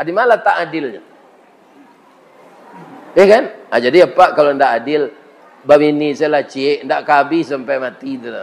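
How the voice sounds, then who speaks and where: This man has a fairly high voice and a West Sumatran accent, talking at a moderate pace with ordinary pitch variation. His loudness swings widely, and he takes long, frequent pauses. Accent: Minangkabau. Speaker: Islamic preacher. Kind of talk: humorous religious sermon to an audience.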